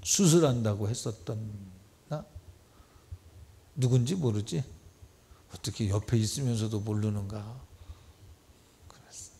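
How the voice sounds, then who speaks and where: A man with a warm, gravelly voice preaches to his congregation at a church service. He talks to them plainly, rising to loud exhortation and then dropping to quiet asides. He acts out the voices of the people he quotes and keeps asking his listeners questions. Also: fairly low pitch, measured pace, pauses often. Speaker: pastor. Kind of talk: midweek church sermon.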